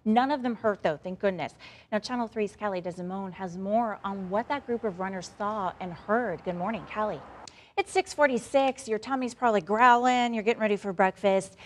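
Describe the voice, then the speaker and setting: A woman's voice: medium pitch, moderate pace, slight background noise. A woman anchoring a live local morning TV newscast, talking to viewers directly in a conversational way.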